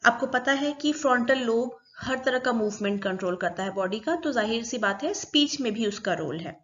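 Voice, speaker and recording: A woman's voice: on the high side, animated, moderate pace, a bit bright, muffled recording. A woman teaching a recorded psychology lecture, explaining step by step and repeating key terms.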